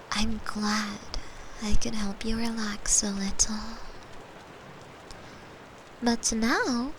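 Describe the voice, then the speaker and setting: A woman playing a caring, playful girlfriend in a soft, tender, breathy bedtime ASMR roleplay. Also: a little high, a little hiss or hum, rough recording. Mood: tender, soothing. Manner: soft, slow, tender, often breathy and whispering. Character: caring, playful girlfriend soothing her partner to sleep.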